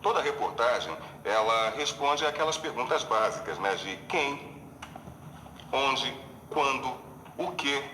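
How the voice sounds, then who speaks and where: A man's voice: mid-range voice, lively intonation, slow. An actor playing a helpful young man with a Brazilian accent who explains things patiently. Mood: explaining. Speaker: journalism student explaining. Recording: roomy set with reverb and noise.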